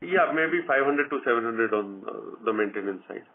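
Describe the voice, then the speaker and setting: A man speaking as a company executive on an earnings call, answering questions in a measured, guarded, formal way over a conference line. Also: medium pitch, lively intonation. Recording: narrow-band phone conference line.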